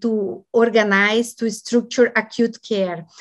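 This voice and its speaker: Speaking very slowly in a Portuguese accent, a woman keeps a monotone, flat intonation against a quiet background. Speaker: neurologist. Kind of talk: interview. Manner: halting. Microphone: webcam.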